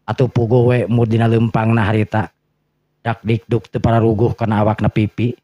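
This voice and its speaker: A man's voice: lowish voice, little pitch movement, fairly quick, warm tone, no echo. A man with a Sundanese accent telling a story in a dramatic bedtime-tale style. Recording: muffled, lo-fi recording.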